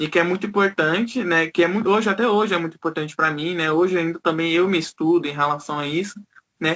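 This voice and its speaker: Speaking very fast in a northeastern Brazilian accent, the voice has a bright, sharp tone and fairly even intonation. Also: man, high pitch for a man. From Brazil, Pernambuco (Northeast). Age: 20s. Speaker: young adult who left youth shelter care. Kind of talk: interview testimony. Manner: hesitant, many fillers.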